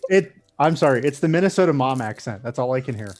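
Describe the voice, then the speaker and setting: A man's voice: medium pitch, expressive, fast, a little mellow. A man playing a tabletop game, joking and playing dim. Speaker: player. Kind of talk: casual game chat.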